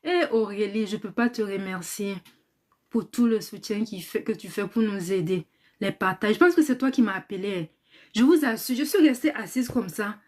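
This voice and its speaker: A woman's voice: medium pitch, moderate pace. A tired woman in convalescence who trains people in cosmetics business, chatting casually on a live stream, reading viewer comments aloud, thanking them and praying aloud, and repeating words often.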